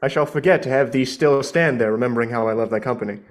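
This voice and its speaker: A man's voice: medium pitch, quick pace, voice pushed down, lightly acted. A man playing Juliet as an earnest, lovestruck young woman in a live amateur Shakespeare reading, with theatrical verse delivery. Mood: wistful, tender.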